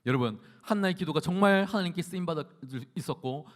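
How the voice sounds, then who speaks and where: A male pastor preaching an impassioned sermon, asking rhetorical questions and swinging between loud declarations and hushed passages. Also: fairly high pitch, expressive, fast. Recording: long hall reverb.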